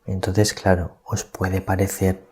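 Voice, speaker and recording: A priest from giving a calm, deliberate gospel reflection at night, keeping his voice down so as not to wake anyone. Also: low voice, slightly rough. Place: small hermitage at night.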